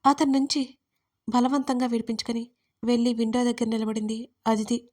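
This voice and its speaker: A woman storyteller reading scripted romantic narration in a steady, even manner. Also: on the high side, moderate pace.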